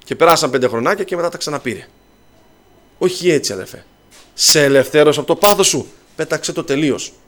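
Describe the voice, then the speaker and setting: Greek preacher telling a story. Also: male voice, a little high, animated, fairly bright tone. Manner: storytelling, addresses listeners as brothers. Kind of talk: sermon.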